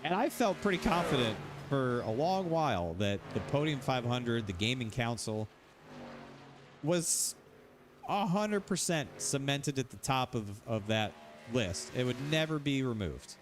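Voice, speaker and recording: A man streaming sim racing goes on a casual livestream rant, rambling, repeating himself, and swearing freely. His mid-range voice swings widely in pitch at an unhurried pace against a noisy background.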